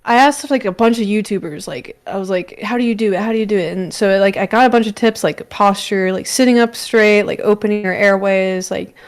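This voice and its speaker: A woman with a mid-pitched voice talks as a guest on a livestream. Her chat is casual and full of slang, with an encouraging manner. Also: fairly quick, few pauses. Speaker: livestream guest and content creator.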